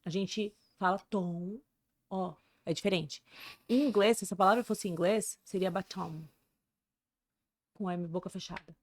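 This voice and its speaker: A woman's voice: medium pitch, brisk, dry recording, studio quality. A Brazilian woman chatting casually as a podcast guest, explaining things emphatically with examples like a language teacher.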